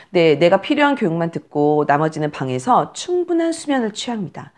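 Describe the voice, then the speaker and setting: A woman's voice: on the low side, a little mellow. A woman teaching new mothers about breastfeeding, direct and emphatic, giving blunt commands and acting out scenes. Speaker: postpartum care and breastfeeding instructor. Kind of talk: coaching lesson to new mothers.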